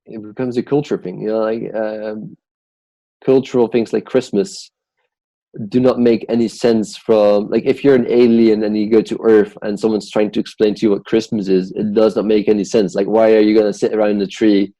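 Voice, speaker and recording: Dutch-accented man, dark low voice. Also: dry recording, poor audio. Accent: Dutch with some British English. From Netherlands. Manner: rambling, heavy use of "like". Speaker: podcast guest, hypnotist. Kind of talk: casual conversation.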